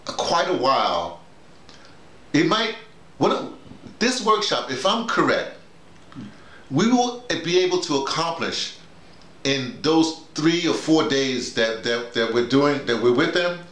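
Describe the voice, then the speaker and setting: A middle-aged or older man talking casually and emphatically to colleagues like a teacher, often halting and repeating his words over and over. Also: medium pitch, sing-song, a bit bright. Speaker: workshop leader and radio drama teacher. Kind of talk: casual informal explanation to colleagues. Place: small indoor room with bare walls, seated. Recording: roomy, echoing small room.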